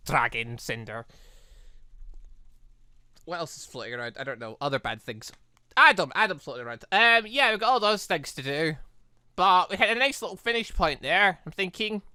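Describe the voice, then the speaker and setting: Gaming video host: bright, punchy voice, chatty and animated, casual commentary and read-aloud game text, dry sound. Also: mid-range voice, no room sound.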